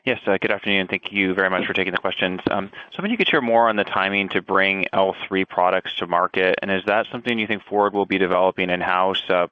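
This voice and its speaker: A male analyst politely and haltingly asking a question on a slightly muffled conference call. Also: low voice, clean tone, no room sound. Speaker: analyst caller.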